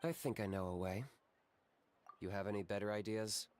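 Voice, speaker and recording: An actor playing an aloof, pragmatic young male hunter in a video game, speaking in a measured, matter-of-fact way. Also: lowish voice, fairly even intonation, darkish tone, a little hiss or hum, natural voice. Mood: serious, resolute. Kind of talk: scripted video game voice acting.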